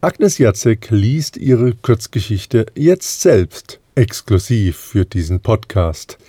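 A man, the podcast host, reading a scripted introduction in a measured way. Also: lowish voice, big pitch swings, dark tone, husky, no room sound, clean studio sound.

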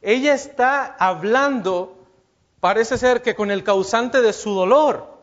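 A man's voice: very high voice, takes it slowly, lo-fi sound. A man preaching a sermon, speaking straight to his listeners with rhetorical questions and acting out the lines he quotes.

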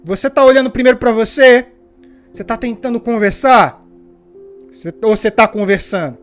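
Woman preaching with lively storytelling. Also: a little high, normal speed, soft background music. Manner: lively storytelling, asks rhetorical questions. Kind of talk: sermon.

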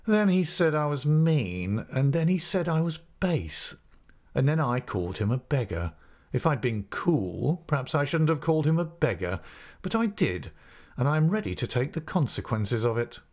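A man's voice: mid-range voice, big pitch swings, normal speed, a little mellow, pitched above the performer's own voice. A man voicing a privileged, defiant schoolboy in an audiobook, with a cool, insolent delivery. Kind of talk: audiobook character acting.

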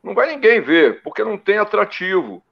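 A man's voice: high voice, brisk, gravelly. Man recalling old football, lo-fi. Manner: animated storytelling, lists names. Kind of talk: casual panel discussion. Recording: dull lo-fi recording.

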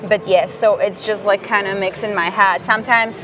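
A young woman speaks English with a Slovak accent in a chatty, loose interview style. She reaches for words now and then, and her pitch sits mid-range. Music plays clearly behind her in a hotel lounge. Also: steady tone, moderate pace, poor audio. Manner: chatty, non-native phrasing, searches for words. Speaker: guest. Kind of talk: casual interview chat.

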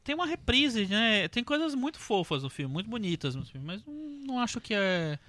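A man's voice: sits high, big pitch swings, fairly quick, sharp tone. A man in a casual film discussion, thinking aloud hesitantly with many fillers.

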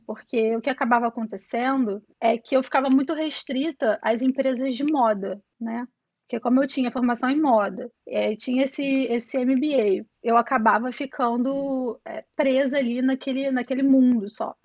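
A woman's voice: on the high side, dry recording. 30s brazilian woman w/ rio accent, chatty, lots of fillers, dry dull call audio. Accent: Rio de Janeiro, Niterói. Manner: chatty, full of fillers and restarts. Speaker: interview guest. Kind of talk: casual conversational interview. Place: home in Toronto over a call.

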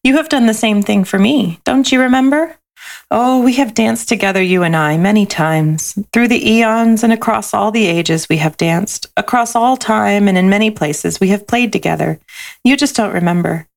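Woman doing wise loving soul, storybook, tender, reassuring, gravelly, slightly raised. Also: mid-range voice, normal speed, voice pushed up, close to an everyday voice.

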